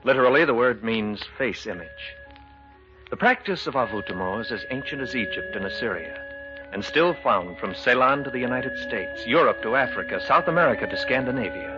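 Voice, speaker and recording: A man narrating an old radio drama in a measured, grave manner. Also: mid-range voice, expressive, highs cut off, music in the background. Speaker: story narrator.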